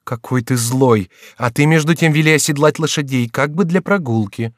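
A man voicing a lively young noblewoman who worries for her husband, with high excitable exclamations, in a dry audiobook reading. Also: moderate pace, no room sound, close to an everyday voice. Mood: anxious.

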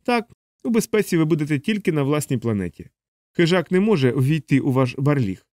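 A fussy alien helper lectures in a raised, lively voice, piling up explanations in an audiobook reading, as a male narrator puts him on. The sound is close and dry, with no room around it. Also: a little high, fairly quick, no room sound, voice pushed up. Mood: lecturing. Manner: didactic, explaining at length. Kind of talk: audiobook character voice.

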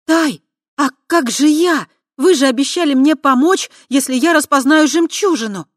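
A woman's voice: sits high, normal speed, dry recording, studio quality, voice pushed up, lightly acted. A reader voicing a proud young captive woman who speaks sharply, full of outrage. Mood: pleading.

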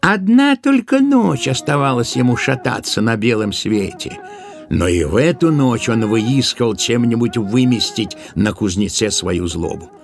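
A man narrating a literary tale for an audio play in an expressive, deliberate way, drawing out certain words. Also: mid-range voice. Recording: music behind the voice. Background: musical accompaniment.

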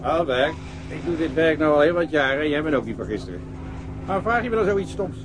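An actor playing a seasoned, testy police doctor in a radio drama, dry and world-weary, with engine noise behind. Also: male voice, a little high, animated, brisk, close to an everyday voice. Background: boat engine.

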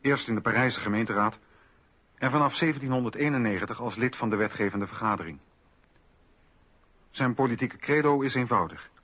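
A man's voice: mid-range voice, fairly quick, pauses often, fairly bright tone, muffled recording. A man narrating a scripted historical radio documentary.

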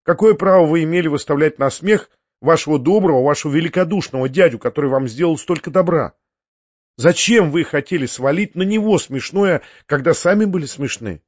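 A man's voice: a little high, brisk, dry recording, natural voice. A male reader voicing an earnest, reproachful young woman who pleads and scolds in rising exclamations. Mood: scolding. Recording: dull, muffled audiobook recording.

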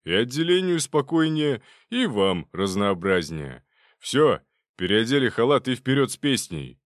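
A man voicing a gruff, stern male doctor who scolds his interns loudly. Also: medium pitch, big pitch swings, a little slow, no room sound, studio quality. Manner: barking, exasperated scolding.

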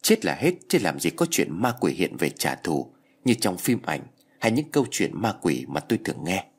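A man narrating a ghost story in a slow, grave storytelling voice. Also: low voice, very animated, creaky, slightly rough.

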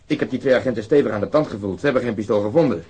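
A husky, brisk male detective. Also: medium pitch, dark tone. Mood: dry, businesslike. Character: brisk, dry male police detective reviewing a puzzling case. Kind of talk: radio drama dialogue.

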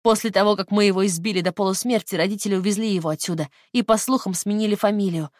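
A woman voicing a hypnotized woman who shrieks her childhood hatred in a shrill, childlike voice. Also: fairly quick, no room sound, studio quality, close to an everyday voice. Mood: remorseful.

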